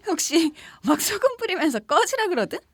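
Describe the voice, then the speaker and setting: An actress playing a nosy, excitable young woman who exclaims and teases in audio drama banter. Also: very high voice, moderate pace, no echo, studio quality. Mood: eager, teasing. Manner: exclamatory, teasing. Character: excitable, nosy young woman listening to a friend's scary story.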